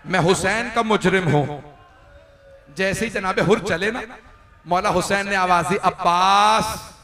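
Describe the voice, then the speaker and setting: A man reciting an emotional majlis as a maulana, with impassioned, drawn-out delivery that swells into cries. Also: sits high, fairly bright tone. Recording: echoey hall sound.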